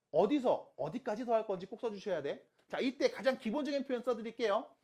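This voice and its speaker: A math teacher giving an online lecture to high school students. The teacher keeps asking rhetorical questions, repeats key steps slowly, and mixes casual and polite speech. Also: a little mellow.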